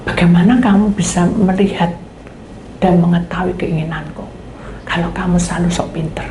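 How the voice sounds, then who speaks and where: A woman pastor voicing God as a calm, stern presence who quietly rebukes. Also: fairly low pitch, moderate pace, slight background noise, close to an everyday voice. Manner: quiet, questioning reproach. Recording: echoey hall with faint ambience.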